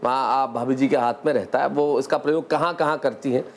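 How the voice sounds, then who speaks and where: A man's voice: medium pitch, fairly even intonation, brisk, a little hiss or hum. A man hosting a comic poetry show, teasing his guest, laughing often and urging him to smile. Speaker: host.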